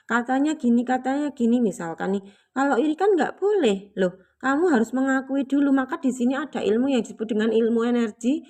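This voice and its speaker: Lady doing a chatty spiritual talk, gentle, lots of filler words, kinda high voice.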